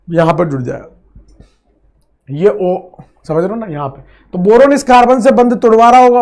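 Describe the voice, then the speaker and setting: High-voiced man teaching chemistry. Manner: repeats phrases, drills students, calls them friend. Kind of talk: classroom lecture at a board.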